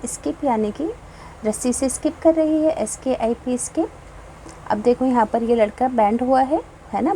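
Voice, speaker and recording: Slow, patient woman teaching small children. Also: fairly high pitch, mellow, a little hiss or hum, poor audio. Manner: patient, slow, reads English lines very slowly and spells words letter by letter. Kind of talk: textbook lesson explanation for young children.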